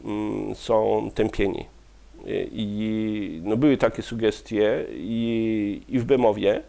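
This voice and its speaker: A man in his fifties, a guest in a studio interview, talking haltingly with many pauses and restarts, speaking into a lapel mic. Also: on the low side, little pitch movement, creaky, dark tone. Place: small studio with curtain backdrop.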